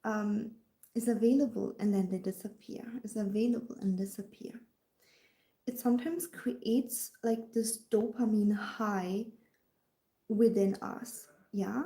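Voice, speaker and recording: A woman's voice: medium pitch, fairly even intonation, measured pace, dark tone. Woman, German accent, dating coach, chatty livestream talk, whispery asides, roomy echo. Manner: chatty, answers comments, often whispery.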